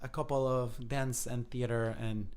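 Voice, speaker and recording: Young Ecuadorian man, Spanish accent, animated and searching for words, mid-pitched voice. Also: measured pace, clear, resonant tone. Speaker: guest, dancer and actor. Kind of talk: casual interview.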